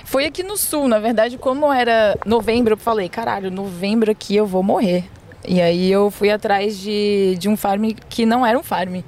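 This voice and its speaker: A woman's voice: medium pitch, moderate pace, a little mellow, a little hiss or hum. A woman from Florianópolis, a podcast guest telling her story frankly, with slang and swearing. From Florianópolis, Brazil. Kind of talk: casual storytelling. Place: outdoors near a beach.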